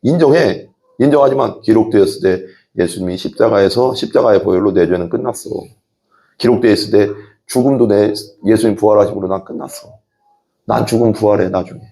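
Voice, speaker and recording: A male pastor preaching a sermon in a lively way, often putting questions to the congregation. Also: lowish voice, brisk, vocal fry.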